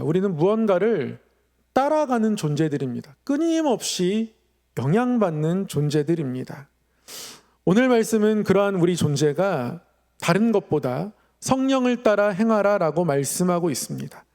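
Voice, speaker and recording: A middle-aged man preaching a sermon as a pastor, explaining in a measured, polite way. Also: sits high, darkish tone. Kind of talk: Friday evening sermon.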